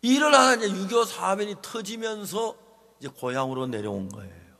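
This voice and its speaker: Gravelly older Gyeongsang preacher, animated. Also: male voice, high-pitched, a little fast. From Gyeongsang, South Korea. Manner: animated, dramatic storytelling, addresses the congregation. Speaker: pastor. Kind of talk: sermon storytelling. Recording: long reverb of a large hall.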